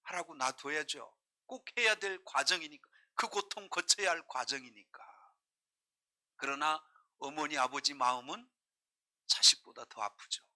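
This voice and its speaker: The pastor's sermon moves at a measured pace, his slightly high voice sharp and very bright. Again and again he asks the congregation questions, alternating between soft asides and driving, loud emphasis.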